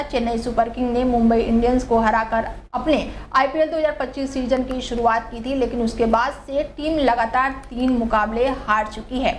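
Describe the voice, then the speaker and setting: A woman anchor reading a news bulletin in a brisk, even newsreader delivery. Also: on the high side, a little hiss or hum.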